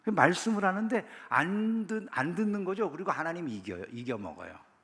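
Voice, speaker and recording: A man's voice: high-pitched, very animated, a little fast, a bit bright, big-room sound. A man preaching a sermon as pastor, talking conversationally and often asking the congregation questions. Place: church sanctuary.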